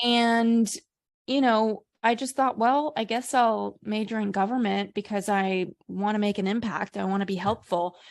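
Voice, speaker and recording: Speaking at a moderate pace, a woman with a Californian accent has a fairly high pitch. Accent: General American (California). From Los Angeles, US West Coast. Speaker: career coach. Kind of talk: podcast interview.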